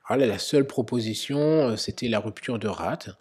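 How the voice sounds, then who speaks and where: Man talking through a medical quiz, husky. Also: medium pitch, moderate pace, darkish tone. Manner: explanatory, thinking aloud with many fillers. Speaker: medical educator. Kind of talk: narrated quiz lesson.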